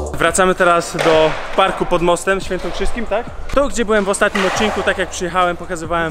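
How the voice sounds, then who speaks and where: Noticeable background noise runs under a man who talks very fast. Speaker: fitness vlogger. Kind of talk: casual vlog chat. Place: street. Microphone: phone near.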